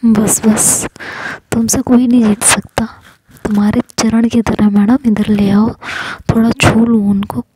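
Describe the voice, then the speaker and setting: A woman's voice: on the high side, level tone, unhurried, mellow, husky, poor audio. A woman voicing Ishu, a sulky, sarcastic young woman who complains, in whispered role-play. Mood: mocking.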